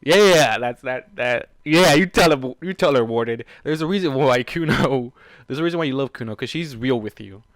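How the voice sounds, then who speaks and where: A man with a medium-pitched voice reads fan fiction in a dry, close setting. He narrates and comments casually, getting invested and exasperated, with plenty of swearing. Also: normal speed, dry recording. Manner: profane, exasperated, emotionally invested asides. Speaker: fan fiction reader and reactor.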